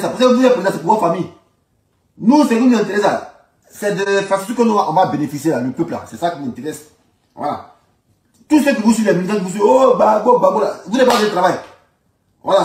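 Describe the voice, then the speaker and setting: A man from Ivory Coast with an Ivorian accent, delivering an informal political rant in an emphatic, repetitive, argumentative manner. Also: sits high. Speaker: political commentator. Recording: roomy, echoing sound.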